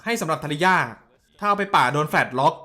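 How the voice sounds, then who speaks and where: Bright-voiced, excitable male streamer. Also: fairly high pitch, quick pace. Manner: blunt and excitable, with crude slang; answers viewer messages directly. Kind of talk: casual esports watch-along commentary.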